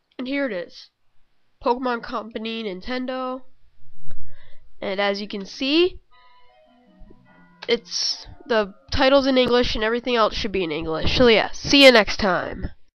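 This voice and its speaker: Against background music, a woman with a high pitch speaks at a moderate pace, using long, frequent pauses, ordinary pitch variation and big swings in loudness. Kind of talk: casual screen-recording tutorial. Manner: hesitant, filler words.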